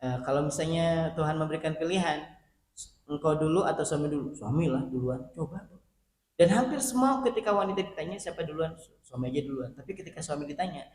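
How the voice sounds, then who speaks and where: A male preacher giving an animated sermon to a women's study group, acting out quoted voices as he talks to them directly. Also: fairly high pitch. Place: mosque hall. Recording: roomy mosque hall, faint background hum.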